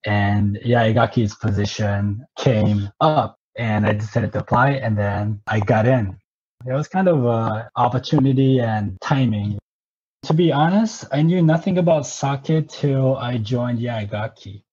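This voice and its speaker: Slightly husky man in his thirties. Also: mid-range voice, measured pace, darkish tone, lo-fi sound. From Japan, moved to Southern California at twelve. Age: 30s. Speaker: interview guest, sake company representative. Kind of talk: conversational interview storytelling.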